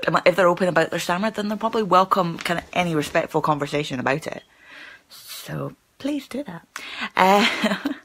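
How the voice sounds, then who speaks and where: A channel host with a stammer chats loosely with her viewers on a live stream, her speech full of fillers and repeated words. Her voice is low-pitched with a fairly bright tone, captured by a phone at arm's length in a small room.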